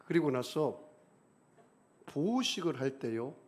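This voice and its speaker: Very animated but slow, a middle-aged man serving as senior pastor delivers an emphatic sermon. Big swings in pitch and volume mark his preaching, and he draws the congregation into call-and-response.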